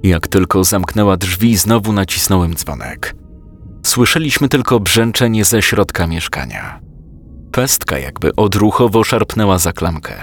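A man calmly narrating a first-person story, voicing the dialogue himself. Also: low voice, faint music behind. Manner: calm, measured storytelling with quoted dialogue.

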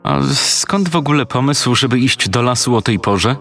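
A man voicing a calm, questioning teenage girl in a spoken horror story. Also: mid-range voice, moderate pace, soft background music, voice pushed up. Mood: skeptical. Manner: cool, questioning.

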